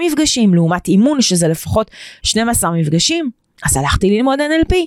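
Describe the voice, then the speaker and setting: Recorded with a dry, close sound with no echo, a woman speaks at a moderate pace with very wide pitch swings. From Israel, immigrated from France at age three. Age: 40s. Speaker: business coach for therapists, podcast host. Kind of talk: podcast monologue.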